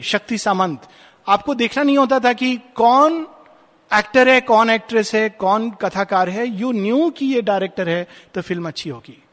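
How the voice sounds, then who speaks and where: A man, giving a reflective spiritual discourse and slowly reading English verse aloud. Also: high-pitched, a bit bright. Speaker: spiritual speaker. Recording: long hall reverb.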